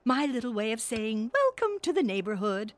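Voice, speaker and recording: A woman's voice: fairly high pitch, big pitch swings, moderate pace, a little hiss or hum. A woman voicing a sweet, trusting, scatterbrained little old lady in a cartoon, genteel and cheerfully oblivious, with a put-on elderly voice. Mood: sweetly oblivious. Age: older. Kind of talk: cartoon voice acting.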